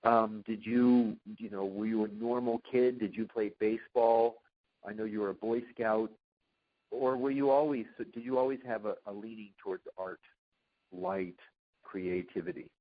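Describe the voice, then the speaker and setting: A man's voice: fairly low pitch, fairly even intonation, moderate pace, dry recording. A man putting questions informally as an interviewer, rephrasing tentatively as he goes. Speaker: interviewer reading submitted questions. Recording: dry, muffled conference call line.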